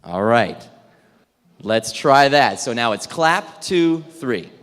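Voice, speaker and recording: A man facilitating a theatre warm-up exercise for a room of people, upbeat and jokey as he gives instructions. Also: mid-range voice, big pitch swings, slow pace. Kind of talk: leading a group warm-up exercise for an audience. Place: large indoor event room with tables. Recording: echoey hall with long reverb.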